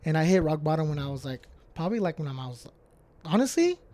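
Podcast guest: man, early thirties, fairly high voice, loose and rambling, swears a lot. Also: sing-song, fast talker, warm tone. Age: 30s. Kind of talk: casual chat.

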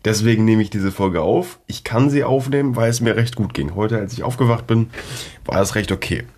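A man's voice: on the low side, brisk, darkish tone. A teenage boy hosting his own podcast, talking in a rambling, slangy, casual way while sick with a cold and coughing now and then, close to his microphone. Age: teens. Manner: rambling, slangy, many fillers. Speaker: podcast host. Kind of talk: casual solo podcast chat. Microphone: close podcast mic.

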